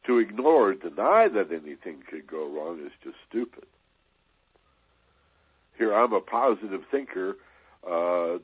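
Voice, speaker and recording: A man's voice: sits low, breathy edge, no echo. A man hosting a motivational radio talk, chatting conversationally and often dropping in "you know" and "right?". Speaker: radio host. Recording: tinny, dry, band-limited radio sound.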